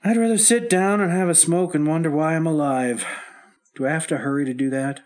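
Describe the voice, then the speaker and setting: A man's voice: on the high side, fairly quick, a little mellow, close to an everyday voice. An actor playing a weary husband in his thirties in an old-time radio drama, sighing and downbeat. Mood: tired, downbeat. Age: 30s.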